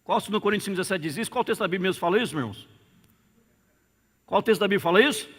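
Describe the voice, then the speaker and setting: High, bright-voiced Brazilian pastor preaching. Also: male voice, rapid-fire, husky. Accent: Brazilian Portuguese. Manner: emphatic, repeats key words, calls out for amens. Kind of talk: sermon. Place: church sanctuary. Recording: reverberant church hall.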